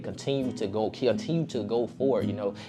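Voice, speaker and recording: A man talks at a fairly quick pace with ordinary pitch variation. Music plays in the background. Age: 20s. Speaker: army veteran; motivational YouTuber. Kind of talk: motivational talk to camera. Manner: casual, conversational.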